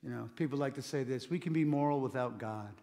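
A man's voice: mid-range voice, fast, vocal fry, mellow. A middle-aged man preaching a sermon in a conversational, earnest way, often restarting his words, on a church stage. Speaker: pastor. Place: church stage with communion table. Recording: long hall reverb.

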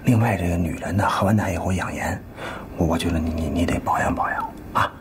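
An actor playing a sheepish middle-aged husband in a TV drama, stammering and coaxing, often speaking in a hushed voice. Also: male voice, low voice, quick pace, noisy background, natural voice. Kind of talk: TV drama acting.

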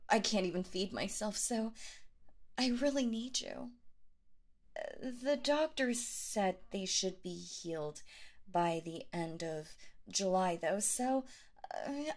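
Stammering, clingy yandere girlfriend. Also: mid-range voice. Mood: stammering sweet.

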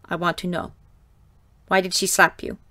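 A woman reading an audiobook, voicing a stern older woman who runs a geisha house, with a raspy, scolding voice. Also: on the low side, level tone, normal speed, pushed and bright, no echo.

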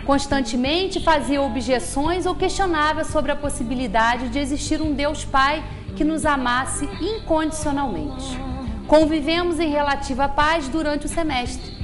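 A woman reads a story to a small audience in a steady, measured way. Her voice sits high, and music plays clearly behind her. She is recorded in a small meeting room by a camera set far back. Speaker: speaker at a spiritist center. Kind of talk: reading a story aloud in a talk.

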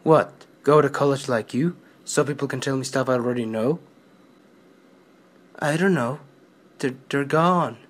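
A woman voicing a sulky, smart-aleck teenage boy from an animated film. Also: extremely low pitch, measured pace, pauses often. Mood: dismissive.

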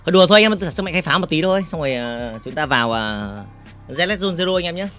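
A man with a fairly high voice hosts a casual game livestream, reading viewer comments aloud and teasing them. He jokes often and fires off repeated words in quick bursts. Faint game music plays quietly in the background. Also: lively intonation. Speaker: gaming livestreamer.

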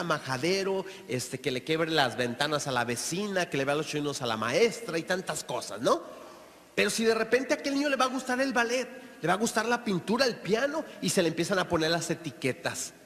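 A man's voice: high voice, big pitch swings, normal speed, fairly bright tone. A man with a Mexican accent giving an earnest talk to an audience as a Catholic lay speaker, acting out the people in his stories. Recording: long hall reverb.

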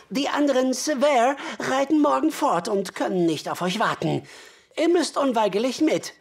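An actor playing a sly, jovial old male trapper in a radio drama, chuckling often and talking in a folksy, clipped way. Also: medium pitch. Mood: hearty.

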